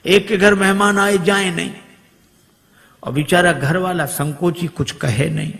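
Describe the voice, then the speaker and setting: A man's voice: high-pitched, creaky. A man preaching, telling a humorous devotional story with sung verses. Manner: lively storyteller, sings verses slowly. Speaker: spiritual preacher. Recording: long hall reverb.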